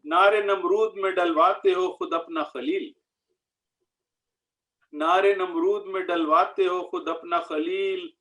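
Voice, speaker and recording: A high-pitched male voice recites verse at a literary gathering. He moves very slowly and with measure through each couplet, often saying a line twice. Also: steady tone, sharp tone, low-quality recording. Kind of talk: slow Urdu ghazal recitation.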